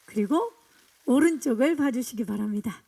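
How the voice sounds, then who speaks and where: A woman's voice: on the high side, expressive, normal speed, gravelly, dark tone. A woman hosting a press screening, cheerfully guiding guests through photo poses and introductions. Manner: upbeat, directing photo poses. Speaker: event host. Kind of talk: press event emcee.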